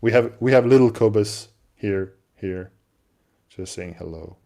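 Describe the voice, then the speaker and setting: Low, mellow-voiced man chatting on a livestream. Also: measured pace. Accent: non-native English. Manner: relaxed, chatty, answers viewer questions with frequent fillers and restarts. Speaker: livestream co-host. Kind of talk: casual livestream chat.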